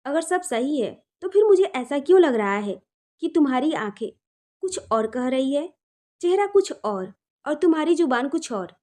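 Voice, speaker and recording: A woman voicing a caring young female friend who gently presses with earnest questions. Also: sits high, big pitch swings, moderate pace. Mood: probing. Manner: probing, coaxing, earnest.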